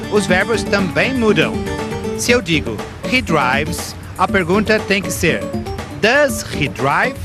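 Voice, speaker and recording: A man with a Brazilian Portuguese accent presenting a scripted TV English lesson, stressing each example clearly. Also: fairly high pitch. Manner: didactic, emphatic on examples. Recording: music bed underneath.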